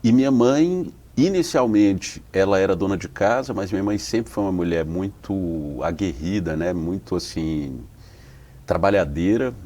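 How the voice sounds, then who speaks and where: Deep-voiced Bahian man, measured. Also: animated, dark tone. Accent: Bahian Portuguese. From Salvador, Bahia, Brazil. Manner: measured, explanatory, academic. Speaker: researcher, interview guest. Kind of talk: interview answers.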